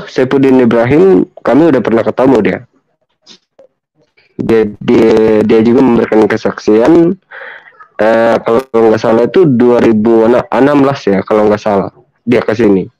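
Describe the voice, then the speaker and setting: A man from Sabah in Malaysia, chatting as a guest in an easygoing, halting way. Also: mid-range voice, mellow, no room sound, muffled recording. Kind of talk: casual video call chat.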